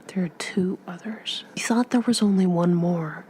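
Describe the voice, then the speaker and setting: Tabletop game role: down-on-his-luck male gumshoe, low, hushed, halting, defensive female performer. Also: slight background noise, natural voice. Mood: confiding. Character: down-on-his-luck male private investigator, evasive, pleading.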